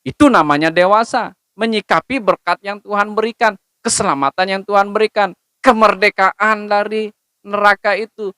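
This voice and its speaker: A woman's voice: sits low, a bit bright, clear, resonant tone, no echo. A young woman preaching a sermon to a youth service, speaking in a direct, admonishing way and drawing on her own experience. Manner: direct, admonishing, personal testimony.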